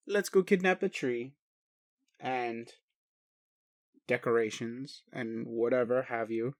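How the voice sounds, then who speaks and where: A man's voice: medium pitch, fairly bright tone. Man playing a doting, playful alien caretaker. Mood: reassuring, playful. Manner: playful, rambling, addresses listener tenderly. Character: gentle, doting blue-skinned male alien caretaker. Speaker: roleplay audio performer. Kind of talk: soft roleplay monologue to a listener.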